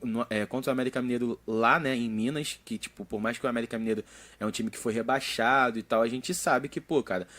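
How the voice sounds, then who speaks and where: A man's voice: mid-range voice, steady tone, fast talker, fairly bright tone. A young man co-hosting a casual sports podcast, rambling with lots of fillers. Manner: rambling, filler-heavy, laughs a lot. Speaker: podcast co-host.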